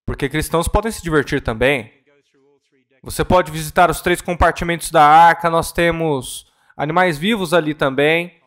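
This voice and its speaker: A man's voice: a little high, normal speed, a bit bright. Earnest man interpreting a talk. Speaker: live interpreter at a church conference. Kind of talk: consecutive interpretation of a ministry talk. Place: church conference hall.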